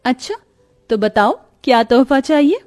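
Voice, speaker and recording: A woman's voice: high-pitched, expressive, a little slow, soft background music. A timid, stammering young woman. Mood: soft. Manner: stammering, soft and hesitant.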